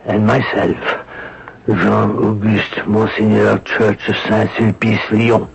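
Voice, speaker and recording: An actor playing a solemn, steadfast Catholic monsignor in a radio drama, speaking in a grave, preacherly way. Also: male voice, on the low side, monotone, slow pace, vocal fry, slight background noise. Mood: solemn resolve. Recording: dull old radio broadcast.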